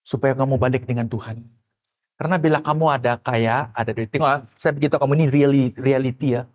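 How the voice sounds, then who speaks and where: A male pastor preaching a sermon, swinging between loud exclamations and quiet asides and acting out the people he quotes. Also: mid-range voice, fairly even intonation, fast talker.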